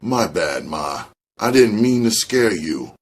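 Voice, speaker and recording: Cocky new york hustler guy, slangy and smooth, read by a deep-voiced man. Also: very animated, takes it slowly, heavily acted. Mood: flirty swagger. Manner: smooth street slang, swaggering. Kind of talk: audiobook character voice.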